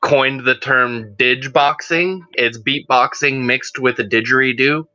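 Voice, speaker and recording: A playful, enthusiastic man taking his turn in a tabletop game. His voice is very bright, but the recording is dull and dry, with faint music behind. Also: mid-range voice, steady tone, a little slow, no echo. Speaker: player.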